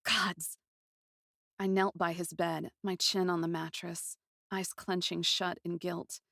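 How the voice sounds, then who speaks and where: A woman's voice: fairly low pitch, little pitch movement, slow pace, vocal fry, bright, forceful tone, dry recording, studio quality, heavily acted. A woman playing a grieving, passionate young captive princess who tells her own story in an intense, emotive, dramatic first-person style. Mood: guilty, tearful.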